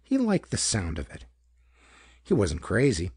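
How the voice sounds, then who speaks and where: A man's voice: fairly low pitch, wildly swooping pitch, measured pace, darkish tone, husky, no room sound, studio quality. A man reading a pulp detective story as an audiobook narrator, in scripted narration.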